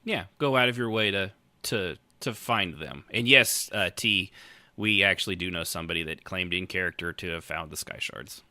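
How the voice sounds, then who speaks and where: A man's voice: low voice, moderate pace, sharp tone, no room sound. A man hosting a casual podcast, rambling and often circling back over his own phrases. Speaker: podcast host.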